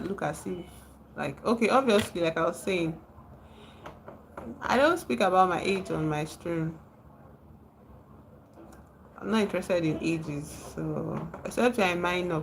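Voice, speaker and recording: A woman's voice: on the low side, a little slow, pauses often, slight background noise. A woman from Nigeria with a Nigerian accent, chatting casually on a livestream, reading out and answering viewers' comments and laughing often.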